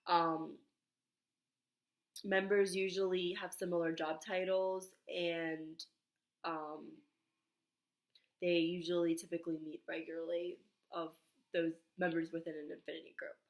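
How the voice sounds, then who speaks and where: Young woman, congested nose, slightly raspy, lowish voice, student slide presentation, reads notes with ums. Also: little pitch movement, a little slow, long pauses. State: nasal congestion, under the weather. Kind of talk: recorded class slide presentation.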